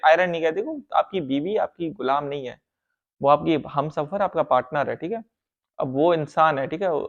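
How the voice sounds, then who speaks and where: A man giving life advice in a casual, rambling monologue, mixing in English phrases and often turning heated. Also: a little high. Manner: rambling, repeats "theek hai" often, mixes English phrases; heated, rises sharply when acting out bosses and husbands. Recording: dull lo-fi sound.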